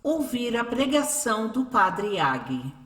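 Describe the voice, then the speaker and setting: A woman's voice: fairly high pitch, sing-song, slow pace. A woman with a Brazilian accent reading scripted narration for a radio drama. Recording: echoey room.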